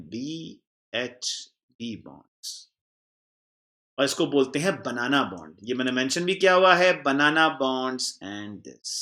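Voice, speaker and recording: A man teaching an exam-prep chemistry class, repeating key points, quizzing the class and answering himself. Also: mid-range voice. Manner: calls the students "children" warmly.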